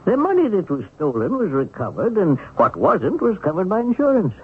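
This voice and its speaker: A wily American man in his seventies for a radio play. His voice is very husky and swings widely in pitch as he coaxes in a folksy way. It comes through thin, like an old broadcast over a phone line. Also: huge pitch swings, normal speed, heavily acted. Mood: coaxing. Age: older. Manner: folksy, coaxing, chuckling. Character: wily, folksy seventy-six-year-old pensioned bank-heist mastermind. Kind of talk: 1970s radio drama acting.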